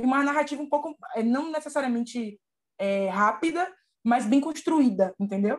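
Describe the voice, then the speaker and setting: The speaker uses lively intonation. The pace is moderate. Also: woman, high pitch for a woman. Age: 30s. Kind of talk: casual chat.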